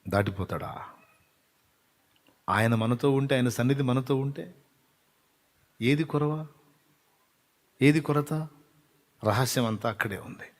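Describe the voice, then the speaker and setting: A man's voice: mid-range voice, measured pace, long pauses, long reverb tail. A male pastor giving a short devotional message, talking in a pleading, fervent prayer addressed to God. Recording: voice over Carnatic music with tabla.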